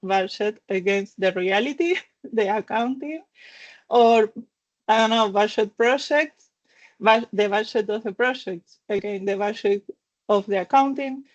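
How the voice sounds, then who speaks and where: A woman's voice: mid-range voice, measured pace, highs cut off. A woman from Argentina with an Argentine accent and Spanish as her first language, presenting to a webinar audience over a video call. She talks in careful non-native phrasing and laughs between points. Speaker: finance consultant presenter.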